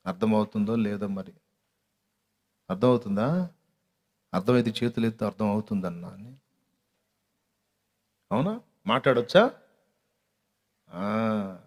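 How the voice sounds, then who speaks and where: A man's voice: fairly low pitch, takes it slowly, long pauses. A man preaching a sermon as pastor. He speaks emphatically and often turns to the congregation with direct questions.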